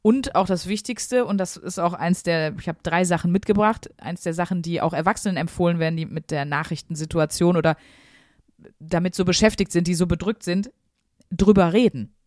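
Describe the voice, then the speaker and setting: A woman chats earnestly on a podcast, thinking aloud and filling pauses freely. Her voice sits on the low side. The sound is close and dry. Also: darkish tone, no room sound. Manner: chatty, earnest, talks it through with many fillers. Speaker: podcast co-host. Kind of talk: casual podcast chat.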